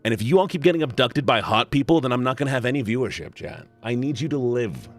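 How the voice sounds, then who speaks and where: A man streaming a visual novel, talking to his chat in an animated, dramatic, joking way. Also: mid-range voice, quick pace, no echo, soft background music. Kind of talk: casual live-stream chat while playing.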